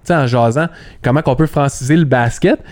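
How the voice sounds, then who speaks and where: A man's voice: medium pitch, brisk, darkish tone. A man with a Quebec French accent, a basketball analyst talking casually in an interview, repeating words and slipping in English terms.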